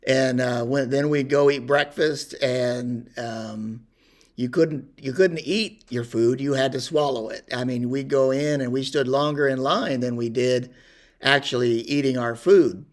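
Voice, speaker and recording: An older man telling a personal story in a rambling, unhurried way with many pauses and fillers. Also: mid-range voice. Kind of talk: casual spoken reminiscence.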